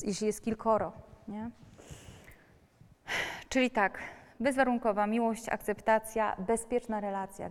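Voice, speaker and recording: A woman giving a talk to parents as a counselor, speaking directly to her listeners and often checking in with quick tag questions. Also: mid-range voice, a little mellow. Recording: reverberant hall.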